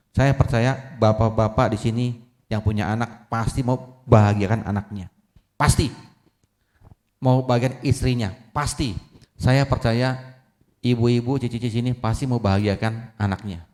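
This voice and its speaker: A man in his forties giving a Buddhist sermon, who keeps asking his audience whether they agree. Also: mid-range voice. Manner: lively, keeps asking the audience "betul nggak?". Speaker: Buddhist Dharma speaker.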